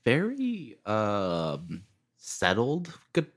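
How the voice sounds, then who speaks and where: A man co-hosting a podcast in a jokey, animated, casual chatting style. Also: fairly low pitch, very slow. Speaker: podcast co-host. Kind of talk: casual chat.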